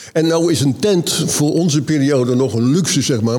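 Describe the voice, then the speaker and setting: Noticeable background noise and audible room echo surround the recording. A man talks at a moderate pace. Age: 70s. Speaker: reenactment hobbyist. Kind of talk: live interview before audience. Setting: museum hall with live audience.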